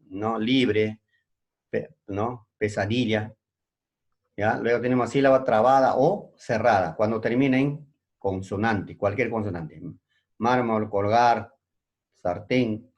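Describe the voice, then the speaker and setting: A Peruvian man with a medium-pitched, darkish voice teaches a recorded secondary school language class. He repeats each point and keeps checking in with his students.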